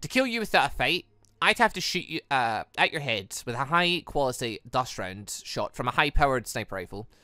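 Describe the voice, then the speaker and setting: A man reads out a menacing villainess from a visual novel. She is calculating and deliberate, taunting in a controlled way, with a bright edge to the voice on a dry, close recording. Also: medium pitch, big pitch swings, no echo, voice pushed down. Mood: cold, threatening. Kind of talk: reading game dialogue aloud.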